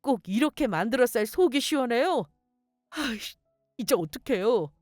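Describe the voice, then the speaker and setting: A woman's voice: fairly high pitch, expressive, moderate pace, a little mellow, no echo, studio quality, faint music behind, natural voice. A woman voicing a spineless young male fiancé who talks in a whiny, pleading way.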